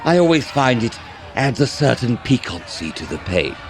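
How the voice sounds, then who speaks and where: An actor playing a gloating, cruel dark elf lord in an audio drama, theatrical and mock-sweet as he savors each word. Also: mid-range voice, sing-song, moderate pace, a faint crowd. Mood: mock-sweet cruelty. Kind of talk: scripted audio drama acting.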